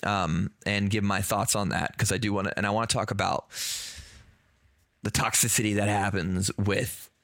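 A hoarse man co-hosting a gaming podcast, his voice worn out from being sick. He talks in a rambling, filler-heavy way, his tone low-set but bright and forceful. The sound is dry and close. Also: steady tone, moderate pace, no room sound. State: hoarse, losing his voice from illness. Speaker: podcast co-host. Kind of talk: casual gaming podcast chat.

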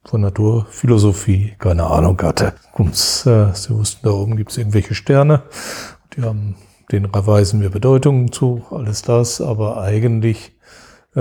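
A man's voice: lowish voice, dark tone, slightly rough. A man speaking as an expert guest in an interview, explaining history in a lecturing way, often restarting and searching for words. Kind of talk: academic interview talk.

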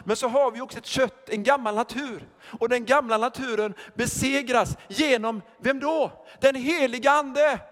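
An older man preaching a sermon as pastor, lively, joking and putting questions to the congregation. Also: very high-pitched, few pauses. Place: church hall. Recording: long reverb of a church hall.

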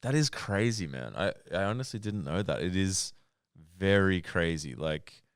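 A man with a very deep, smooth voice co-hosting a laid-back podcast. He chats loosely, drops short reactions, and swears casually. The sound is close and dry. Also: expressive, normal speed, no room sound. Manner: casual, swears freely, many short backchannels. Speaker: podcast co-host.

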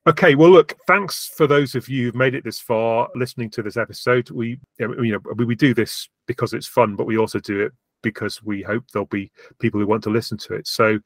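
A man's voice: mid-range voice, fairly quick, hardly any pauses, no room sound. A man hosting a podcast in casual chat, stumbling over and repeating words, with a dry, self-mocking humour. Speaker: podcast host.

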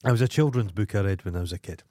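A man's voice: low-pitched, rapid-fire, mellow, dry recording, studio quality. Sweary, ranting Scottish man. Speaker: podcast co-host. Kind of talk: casual comic banter.

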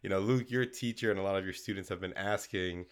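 Congested male podcast co-host, lowish voice, loose rambling chat full of fillers. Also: quick pace, clean tone. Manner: rambling, many fillers and restarts. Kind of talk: casual chat.

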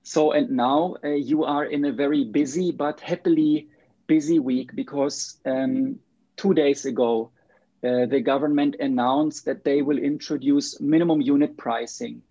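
A male interviewer with a German accent speaks in a mellow, gravelly voice, measured and conversational. The audio is dry and a little dull. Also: mid-range voice, fairly even intonation, no echo. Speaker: interviewer, host.

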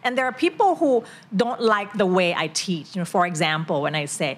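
Older Thai woman, slow-spoken teacher. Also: on the low side. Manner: animated, switches quickly between languages. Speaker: retired English teacher, guest. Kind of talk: casual conversation mixing Thai and English.

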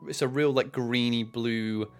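A man working as game master, improvising descriptive narration for a tabletop game with hesitant pauses mid-phrase. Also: medium pitch, steady tone, faint music behind.

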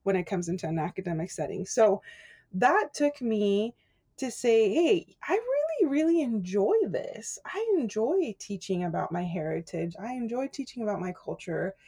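A woman's voice: mid-range voice, big pitch swings, moderate pace, dark tone, breathy edge. A woman guest who grew up speaking Spanish, chatting casually in an interview and telling her story with lots of laughter. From California.

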